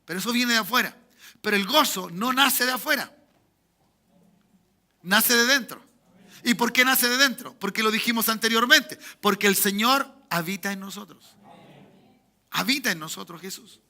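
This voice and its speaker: Chilean male pastor, sermon, high and very bright voice, emphatic peaks and quiet asides, asks for amens. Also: normal speed, long pauses. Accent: Chilean Spanish. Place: church sanctuary.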